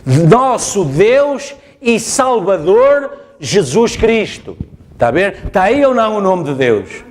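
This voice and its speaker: This male pastor has a European Portuguese accent and preaches a sermon in church, slowly and very animatedly, in a high-pitched voice. He is emphatic and repeats his phrases. He also asks the congregation "está a ver?".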